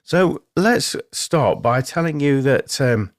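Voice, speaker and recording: A man with a mid-pitched voice presents a spiritual self-help radio monologue. He explains things in a measured way, leaving deliberate pauses between phrases. The sound is close and very dry, with little room around it. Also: lively intonation, no room sound. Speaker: radio show host, spiritual medium.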